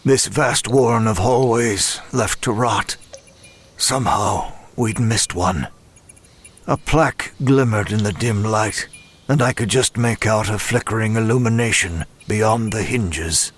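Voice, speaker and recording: A male actor plays a tormented, weary man telling his own horror story. His voice is low and grave, and he moves slowly and deliberately, with halting pauses. There is noticeable ambient noise behind him. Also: natural voice. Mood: grim, weary. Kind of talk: dramatic scripted horror narration.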